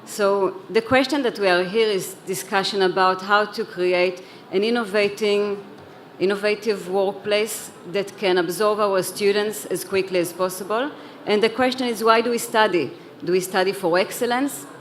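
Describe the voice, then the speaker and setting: A woman's voice: mid-range voice, steady tone, normal speed, a little hiss or hum. A woman who grew up in Israel, speaking earnestly on a conference panel, with a few restarts and repeated words. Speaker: panelist, head of an education organization. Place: conference hall.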